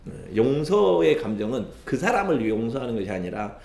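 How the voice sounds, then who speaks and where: Animated male pastor preaching in an echoey church. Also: medium pitch, normal speed, creaky. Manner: animated storytelling with frequent affirming interjections. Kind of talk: sermon. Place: church sanctuary.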